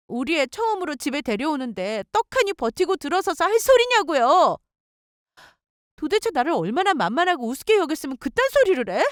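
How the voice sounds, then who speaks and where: A woman's voice: very high-pitched, no room sound, studio quality. Woman playing a furious young new mother. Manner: sharp, scolding, heated. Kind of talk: dramatized radio story.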